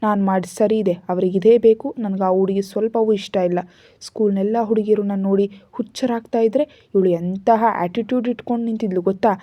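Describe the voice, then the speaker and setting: A woman's voice: mid-range voice, fairly even intonation, brisk, no room sound, close to an everyday voice. A woman narrating an arrogant teenage bully. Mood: sneering. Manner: threatening, sneering. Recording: dull lo-fi recording.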